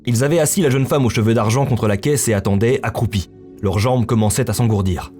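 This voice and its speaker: A man's voice: medium pitch, brisk, darkish tone. A man narrating a scripted story in literary prose as the narrator of a visual novel. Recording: music bed under the voice.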